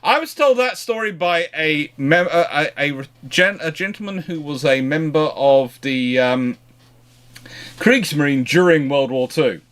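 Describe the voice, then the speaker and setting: A man's voice: a little high, expressive, fairly bright tone. Discursive man answering audience questions. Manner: discursive, halting, often rephrasing mid-sentence. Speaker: naval history livestream host answering questions. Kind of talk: informal question-and-answer talk.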